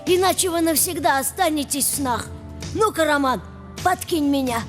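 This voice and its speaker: A woman's voice: high voice, moderate pace, natural voice. A woman voicing a small, helpful and bossy house spirit in a cartoon, urging in an exclamatory way. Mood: urgent. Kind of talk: animated fairy-tale character acting. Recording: music behind the voice.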